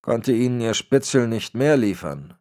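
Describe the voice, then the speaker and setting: A man voicing a frail, cold old crime boss who gives orders in a raspy voice. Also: mid-range voice, big pitch swings, normal speed, darkish tone, voice pushed up, lightly acted. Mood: icy. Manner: cold, commanding. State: raspy, cracking voice.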